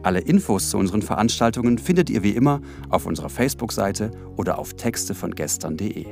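A man with a low-leaning, gravelly voice talks fast as he reads a podcast's scripted outro as co-host. His announcing is lively and upbeat, with music playing in the background.

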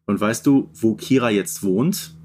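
A man's voice: on the low side, a little slow, darkish tone, husky. A man co-hosting a casual podcast chat, explaining things and seeking agreement with little tag questions. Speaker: podcast co-host. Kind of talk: casual chat reviewing children's audio dramas.

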